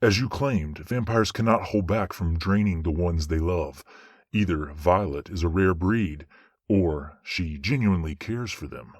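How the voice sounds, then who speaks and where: A man playing a stern but fair angel judge in an audio drama, speaking in a measured, commanding, formal way. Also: low-pitched, no room sound, clean studio sound.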